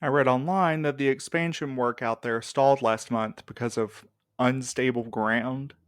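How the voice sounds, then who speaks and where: A man's voice: medium pitch, fairly even intonation, normal speed, clean tone, close to an everyday voice. A man acting an earnest, determined leader of a group of friends in a naturalistic audio drama, speaking in a matter-of-fact, encouraging way.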